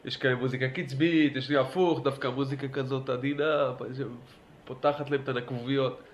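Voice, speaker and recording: A man teaching a religious class in a lively lecture style, urging his listeners on and asking them questions. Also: mid-range voice, lo-fi sound. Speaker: Torah teacher.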